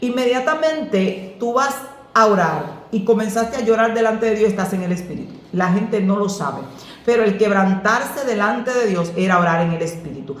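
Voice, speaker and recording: A woman's voice: mid-range voice, normal speed. Earnest woman pastor, echoey room. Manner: earnest, preacherly, animated storytelling. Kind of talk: answering questions on prayer.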